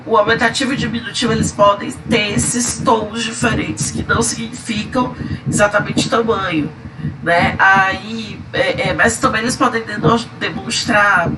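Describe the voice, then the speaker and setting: Stuffy-nosed man teaching grammar, noisy. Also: high-pitched. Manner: lists word examples slowly with many fillers. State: stuffy nose. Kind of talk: recorded grammar lesson. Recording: loud background noise.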